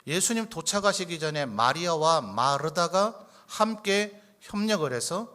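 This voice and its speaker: A man's voice: on the high side, animated, a little slow, bright, forceful tone. A male pastor preaching a sermon in church, asking rhetorical questions and acting out quoted lines from scripture. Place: church sanctuary.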